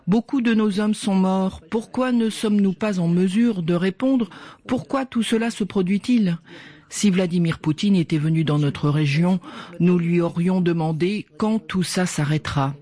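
A man's voice: high-pitched, mellow. A man reading a translated testimony in an earnest, questioning way. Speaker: interviewee, voice-over translation.

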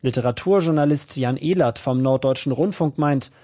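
A man's voice: medium pitch, normal speed, warm tone. A man reading a scripted culture report for the news in a composed way. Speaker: culture correspondent.

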